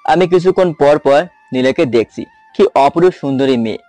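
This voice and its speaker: A man's voice: on the high side, animated, moderate pace, warm tone, no echo, faint music behind. A young man narrating a romantic story in first person and voicing its mischievous hero. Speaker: narrator and male lead.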